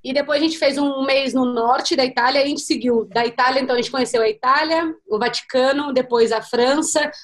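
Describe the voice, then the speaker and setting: A woman in her thirties with a high voice speaks on a video call from home. She is brisk and matter-of-fact, listing things one after another. Her voice comes through a laptop microphone. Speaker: guest, travel blogger. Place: small home room. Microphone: laptop webcam on video call.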